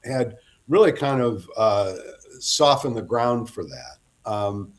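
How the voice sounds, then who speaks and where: A man's voice: mid-range voice, lively intonation, slow pace. A middle-aged man, a guest author, telling long rambling anecdotes in a casual interview and often breaking off to restart.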